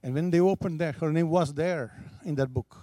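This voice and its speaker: A man's voice: a little high, moderate pace, dark tone, no room sound. A man preaching, telling a story with emphatic, dramatic delivery. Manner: emphatic, rising and falling for drama.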